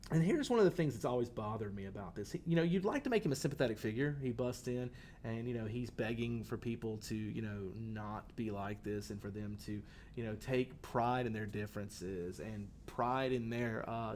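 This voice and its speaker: A man's voice: lowish voice, normal speed, darkish tone, slight background noise. A male teacher giving a casual classroom lecture on a short story, talking in a conversational way with many fillers and restarts.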